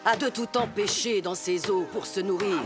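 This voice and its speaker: A woman playing a dignified old tribal elder in a cartoon, calm, solemn and defiant. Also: medium pitch, over music, natural voice. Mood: dignified, firm. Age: older. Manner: solemn, measured authority. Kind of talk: animated cartoon voice acting.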